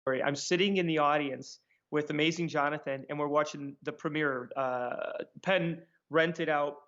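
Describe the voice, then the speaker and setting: A man telling stories in a casual interview, acting out what people said in a higher voice. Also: normal speed. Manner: animated, acts out quotes in a higher voice. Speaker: magician guest. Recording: dull lo-fi sound.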